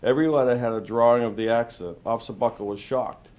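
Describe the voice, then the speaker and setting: A man's voice: mid-range voice, steady tone, fast, darkish tone, muffled recording. A man who is a police officer, reading a picture book aloud to children. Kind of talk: children's storybook read-aloud.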